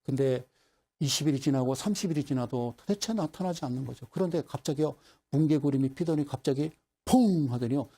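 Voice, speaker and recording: A middle-aged man giving a broadcast stock lecture, telling stories in an animated, repetitive way and addressing viewers directly. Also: a little high.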